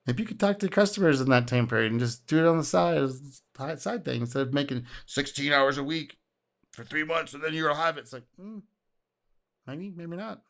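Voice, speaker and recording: A man hosting a casual reaction video, speaking in an animated way, laughing and acting out quotes, his voice going a little hoarse. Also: on the high side, a little fast. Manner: animated, exclaims and laughs, acts out customer quotes. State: getting hoarse.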